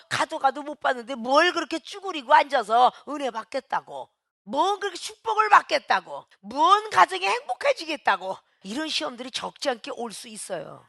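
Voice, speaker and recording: A woman pastor preaching a sermon with emphasis, swinging between shouts and hushed, quiet lines and calling out to the congregation. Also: high-pitched, no echo, studio quality.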